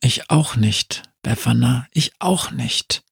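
Storybook cave creature read by a man, measured and slow, guarded. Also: medium pitch, expressive, gravelly, breathy edge, no room sound, studio quality, exaggerated voice. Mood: hushed. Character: proud, wary creature of the caves.

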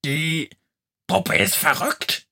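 A man voicing a nervous male crow in an audio storybook, with a shrill, fretful way of objecting. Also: huge pitch swings, very slow, sharp tone, exaggerated voice. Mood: alarmed. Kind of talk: storybook narration.

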